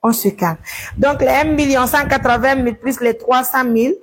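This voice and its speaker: A woman who coos softly to calm a crying baby and announces incoming donations in an animated way. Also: sits high, moderate pace, a little hiss or hum, rough recording. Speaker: journalist running a donation appeal. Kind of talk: live fundraising appeal while soothing a baby.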